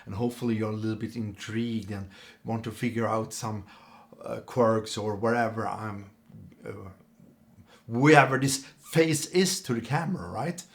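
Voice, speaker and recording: Swedish man, low voice, halting English. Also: creaky. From Sweden. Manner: halting, pauses to find English words, many fillers. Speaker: channel host. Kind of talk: casual self-introduction to camera.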